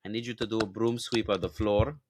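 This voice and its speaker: A man putting on the voice of a pushy older Hasidic man loudly ordering around a waiter. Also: on the low side, steady tone, brisk, slight background noise, natural voice. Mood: demanding. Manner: loud, demanding, clipped commands.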